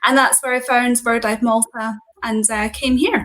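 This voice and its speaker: Over noticeable background noise, a woman with a Scottish accent speaks at a high pitch and a moderate pace. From Scotland. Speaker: conservation charity worker. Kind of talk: interview.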